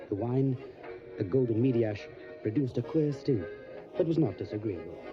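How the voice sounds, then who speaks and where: An actor playing a courteous solicitor in an audio drama, speaking in a measured, formal way. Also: male voice, medium pitch, close to an everyday voice. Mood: polite, curious. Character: courteous English solicitor recounting his journey to Transylvania. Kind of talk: audio drama narration and dialogue. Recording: dull lo-fi audio with music behind. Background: music.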